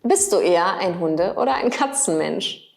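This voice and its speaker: A woman teaching German, slowly and carefully, repeating each example sentence. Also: lowish voice, expressive, creaky, soft background music. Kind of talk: slow, clearly spoken language lesson.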